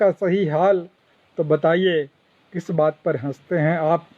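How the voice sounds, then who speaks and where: A man is speaking. He has a Jharkhand accent. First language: Kurukh (speaking Hindi). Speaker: poet. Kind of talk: poetry reading.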